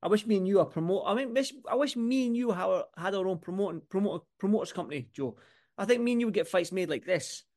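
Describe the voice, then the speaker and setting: Podcast host, male, Scottish accent, notably high voice, rambling casual sports talk with repeated phrases. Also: animated, quick pace, a little mellow. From Scotland.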